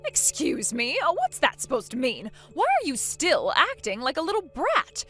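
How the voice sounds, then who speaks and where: A domineering mother-in-law who barks orders and scolds, played by a woman. Her voice sits a little high and swings widely from line to line, with soft music underneath. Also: very animated, normal speed. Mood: bossy. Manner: indignant, demanding, scolding. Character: domineering middle-aged mother-in-law, bossy. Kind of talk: acted family drama.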